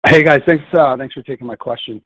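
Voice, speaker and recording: A man's voice: medium pitch, fast, fairly bright tone, breathy edge, dry recording. A man speaking as a financial analyst, asking questions informally on a conference call over a phone line. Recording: dry tinny phone line.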